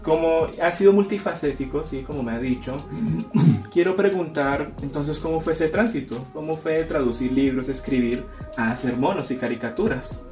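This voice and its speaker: A man's voice: fairly high pitch, moderate pace, darkish tone. A man, asking interview questions politely and a little tentatively. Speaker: podcast interviewer. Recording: echoey room, faint music.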